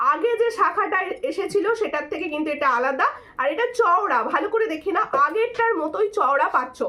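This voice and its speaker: Hoarse woman pitching jewelry live. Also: a bit bright. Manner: chatty and repetitive, thanking viewers and urging screenshots. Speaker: jewelry seller hosting a live sale. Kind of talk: live-stream sales pitch.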